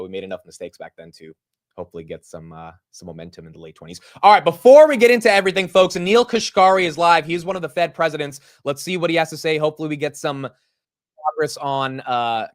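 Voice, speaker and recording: A man's voice: medium pitch, no echo, studio quality. Upbeat young man hosting a live stream. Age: 20s. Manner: upbeat and slangy, greets viewers. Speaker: livestream host. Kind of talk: casual live market chat.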